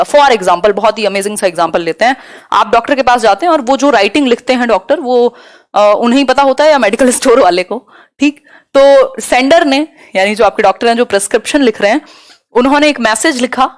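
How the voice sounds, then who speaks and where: Woman teaching an exam-prep lecture. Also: a little high. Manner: explanatory, checks in with listeners often; spells out and repeats key terms.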